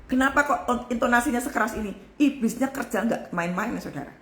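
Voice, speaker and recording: High-voiced woman preaching emphatically. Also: lively intonation, quick pace, fairly bright tone, roomy sound. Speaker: pastor. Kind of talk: live devotional sermon.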